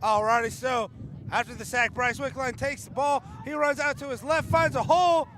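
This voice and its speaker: A man calls a high school football game at an outdoor stadium in wind and rain, joking with his partner between plays. His voice sits very high and sounds bright and sharp. He breaks into shouts when a big hit lands. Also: fairly even intonation, normal speed. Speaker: play-by-play announcer.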